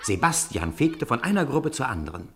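A man narrating a children's audio drama in an expressive storytelling manner. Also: mid-range voice, moderate pace, heavy background noise.

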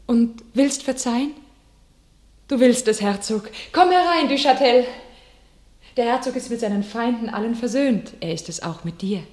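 An actress playing a devout young shepherd maiden turned warrior, speaking solemn, declamatory classical verse in a radio drama. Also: female voice, fairly high pitch, expressive, normal speed, a little mellow, close to an everyday voice. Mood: pleading.

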